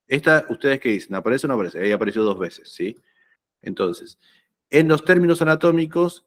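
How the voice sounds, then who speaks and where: Chatty man teaching anatomy. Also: medium pitch. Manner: conversational, checks understanding often with "¿sí?". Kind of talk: lecture explaining slides.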